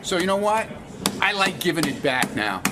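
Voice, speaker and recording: A man's voice: high voice, very animated, normal speed. A man being interviewed casually, talking in a blunt, irritable and repetitive way with some swearing. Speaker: radio show staff member being interviewed. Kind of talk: casual, profane interview talk. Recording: noisy on-location interview sound.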